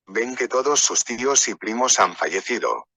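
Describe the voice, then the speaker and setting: A man's voice: mid-range voice, expressive, moderate pace, pushed and bright, dry recording. A man leading a workshop, telling personal stories in a rambling, conversational way. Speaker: workshop speaker. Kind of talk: storytelling lecture.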